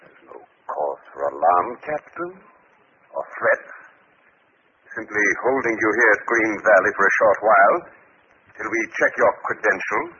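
A stern, imperious military commander in an old science fiction radio play. His voice is bright and forceful, swinging widely in pitch as he issues formal, curt orders. The recording is muffled, with a steady noise behind it. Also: normal speed. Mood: coolly formal. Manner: authoritative, formal, curtly dismissive. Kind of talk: 1950s radio drama acting.

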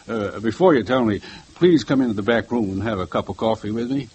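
A man's voice: fairly low pitch, fairly quick, darkish tone, breathy edge. An actor playing a fussy, polite elderly male jeweler in a 1950s radio drama, flustered and eager to please. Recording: old radio recording with faint hiss.

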